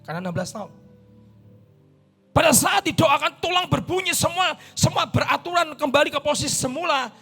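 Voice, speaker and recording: Indonesian male pastor, very high gravelly husky voice, dramatic sermon storyteller, music bed behind. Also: brisk. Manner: animated, acts out voices in the story, swings between shouting and hushed.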